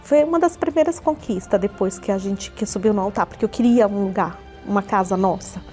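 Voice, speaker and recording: A woman's voice: mid-range voice, fairly quick, darkish tone. A Brazilian woman in her forties giving an earnest personal testimony, often repeating herself. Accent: Brazilian Portuguese. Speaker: church member giving a testimony. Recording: faint music underneath.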